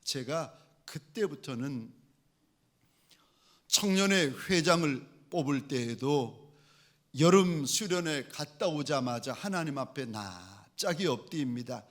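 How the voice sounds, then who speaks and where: A man preaching a sermon, telling a personal story and acting out the dialogue with lively rises and drops in volume. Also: on the high side, slow. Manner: animated, acts out quoted dialogue with swings in loudness. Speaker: pastor.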